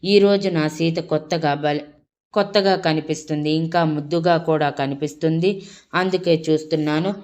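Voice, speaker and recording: A woman's voice: deep voice, steady tone, moderate pace, darkish tone, close to an everyday voice. A woman storyteller voicing a confident young husband who speaks in a smug, playful way.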